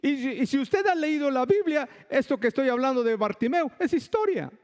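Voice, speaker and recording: A male preacher giving a sermon, emphatic and slow, repeating his phrases for weight. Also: very high-pitched, lively intonation, a little mellow, in a large hall. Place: church hall.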